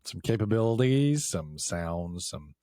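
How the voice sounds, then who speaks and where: Dry-humored low male podcast co-host. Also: big pitch swings, warm tone, no room sound. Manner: dry, joking, quick asides. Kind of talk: casual podcast chat. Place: small room in front of a green screen.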